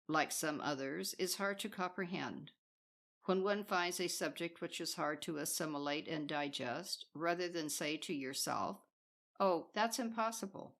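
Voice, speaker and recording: Lower-pitched woman reading a spiritual book. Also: fairly bright tone. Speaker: audiobook narrator. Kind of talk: scripted narration, reading a spiritual book aloud.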